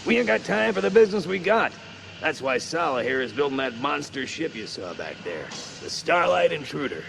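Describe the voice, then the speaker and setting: An actor playing a roguish, swaggering old space pirate with a gravelly voice in an audio drama. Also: male voice, a little high, big pitch swings, brisk. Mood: gruff, hearty. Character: wild old male space pirate with golden heart. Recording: faint background noise.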